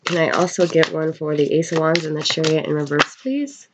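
A woman getting over a cold gives a casual tarot card reading, speaking haltingly with unhurried pauses. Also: low voice, steady tone, background noise. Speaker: tarot reader. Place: indoors at a table in a room. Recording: dull, lo-fi webcam sound.

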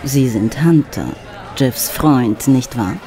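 An actress playing a flirtatious, catty, ambitious starlet in a radio play, with a coquettish, teasing delivery. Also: female voice, rumbling low, slow. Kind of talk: German radio play acting. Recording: party crowd and music behind.

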